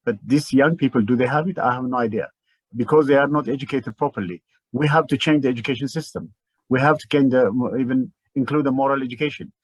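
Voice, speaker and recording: An older man from Ethiopia with an Ethiopian accent, giving impassioned interview commentary in a halting, repetitive, emphatic way. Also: mid-range voice, breathy edge, dry recording, poor audio.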